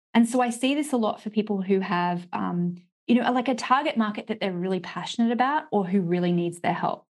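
Her voice is an unremarkable speaking voice, as this woman talks at a fairly quick pace in a fairly high pitch with lively intonation. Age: 40s. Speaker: money mentor and author. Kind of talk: interview conversation.

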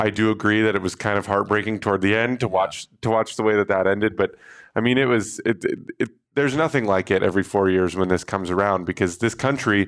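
A man speaks at a fairly quick pace in a fairly low pitch, with fairly even intonation and an ordinary speaking voice over a quiet background. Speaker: sports radio staffer. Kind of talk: casual chat.

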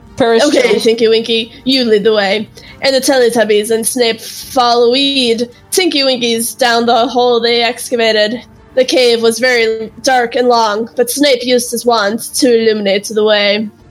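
A woman's fairly high, monotone voice, flat in intonation and very even in loudness, at a moderate pace over music in the background.

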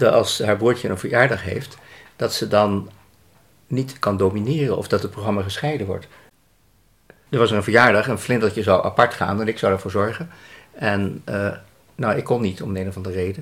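Somewhat breathy and fairly low in pitch, a man talks at a fairly quick pace with ordinary pitch variation and long, frequent pauses. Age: 70s. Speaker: retired physician and grandfather. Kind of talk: interview.

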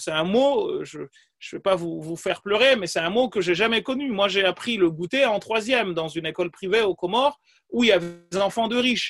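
A man talks fairly quickly in a high pitch with ordinary pitch variation. The sound is dry and close with no echo, and music plays in the background. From Comoros. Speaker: Islamic teacher. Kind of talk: lecture. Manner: halting.

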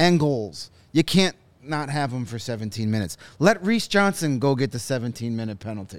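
Pitch swings very widely as the speaker talks at a fairly quick pace. The recording is very clean, with a silent background. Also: man, medium pitch for a man. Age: 40s. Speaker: sports podcast co-host. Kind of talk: casual chat.

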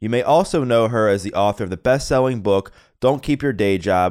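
In a plain, everyday voice, a man talks at a fairly quick pace with lively intonation and medium pitch. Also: very clean recording, silent background. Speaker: podcast host, personal trainer, author. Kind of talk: interview hosting, intro.

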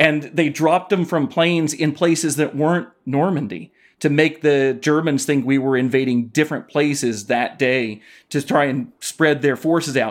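A man speaks at a moderate pace with a fairly high pitch and ordinary pitch variation, in a normal speaking voice. His loudness stays very even, and the recording is very clean with a silent background. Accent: American. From US South, Knoxville, Tennessee. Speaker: children's book author, former teacher. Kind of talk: interview.

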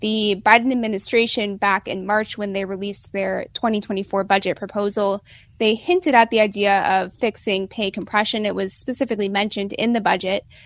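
Against a quiet background, a woman with an unremarkable speaking voice talks at a fairly high pitch and a moderate pace with fairly even intonation. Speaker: news reporter. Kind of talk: interview.

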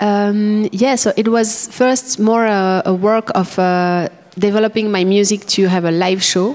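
A woman's medium-pitched voice at a fairly slow pace, with fairly even intonation and noticeable background noise. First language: not English. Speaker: musician. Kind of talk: live interview on stage. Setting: stage with audience. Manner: halting.

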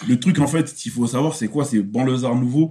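A somewhat breathy man speaks at a moderate pace. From Paris suburbs, Gennevilliers. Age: 20s. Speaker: web developer and media creator. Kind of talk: interview. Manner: casual, hesitant with fillers.

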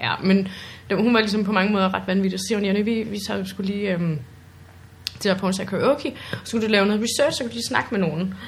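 Talking at a very fast pace, a woman uses a medium pitch amid audible room echo. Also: ordinary pitch variation. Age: 20s. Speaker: comedian. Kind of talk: casual chat.

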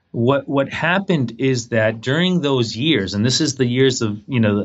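A man with an American accent has an unremarkable speaking voice, a moderate pace and lively intonation. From US, Houston, Texas (family from Chile). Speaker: political science professor. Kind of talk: interview.

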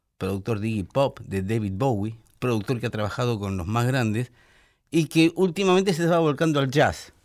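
A man with an Argentine accent talks at a fairly quick pace and medium pitch with very wide pitch swings, on a very clean recording with a silent background. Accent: Rioplatense Argentine Spanish. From Argentina, Buenos Aires city. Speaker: radio music show host. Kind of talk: casual chat about music.

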